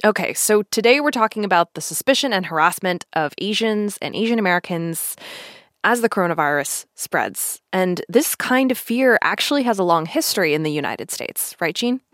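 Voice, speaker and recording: A woman's voice: medium pitch, expressive, normal speed, fairly bright tone, no room sound. A woman hosting a podcast in a conversational narration and interview style, recorded close on a microphone. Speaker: podcast host. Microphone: close studio microphone.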